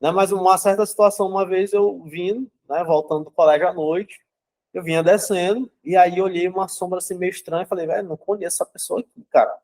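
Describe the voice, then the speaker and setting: A man's voice: high-pitched, fairly even intonation, a little fast, a little mellow. A young adult man giving a casual psychology talk, conversational and checking in with listeners as he explains. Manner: conversational, keeps asking "né?" and "certo?".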